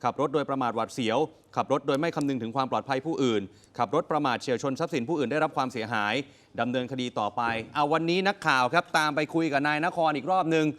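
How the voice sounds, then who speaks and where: A man anchoring an evening news show in a lively, exclaiming, conversational way, speaking straight to the viewers. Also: medium pitch, fast, hardly any pauses. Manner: animated, exclaiming, addresses viewers directly.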